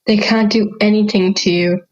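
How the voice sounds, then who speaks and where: A woman's voice: mid-range voice, steady tone, normal speed, lo-fi sound, natural voice. A young woman playing a self-conscious, teasing schoolgirl Red Riding Hood in an audio drama, with a questioning, conversational manner. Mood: teasing, puzzled. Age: young adult.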